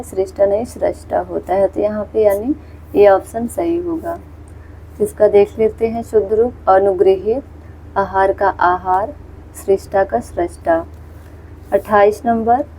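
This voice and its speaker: Patient Hindi tutor woman, soft husky tone. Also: medium pitch, rough recording. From India. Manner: explains patiently, repeats words, points at screen. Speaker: Hindi teacher. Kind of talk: exam-prep lesson walking through questions.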